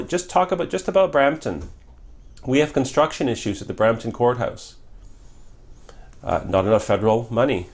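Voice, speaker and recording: A man's voice: medium pitch, darkish tone. A middle-aged man whose first language is Polish, a former member of Parliament answering interview questions in an earnest, repetitive way with many restarts. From Canada.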